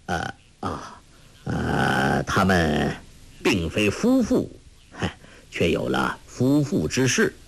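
A man voicing a gentle, grave old monk who speaks in a measured, soft way, in a storybook reading. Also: fairly low pitch, sing-song, full character voice. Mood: calm.

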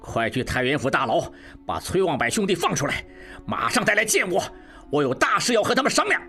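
A man's voice: sits high, big pitch swings, fairly quick, soft background music, full character voice. A man voicing a furious barking warlord. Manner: shouting, barking orders. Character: furious domineering male warlord official. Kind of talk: audiobook character voicing.

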